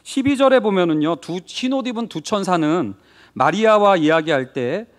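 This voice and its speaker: A male pastor preaches a Wednesday sermon in a slightly high, very animated voice, with his pitch rising and falling freely. He talks with the congregation, asks them questions and briefly acts out quoted lines. The sound rings with the long reverb of a church sanctuary. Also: moderate pace.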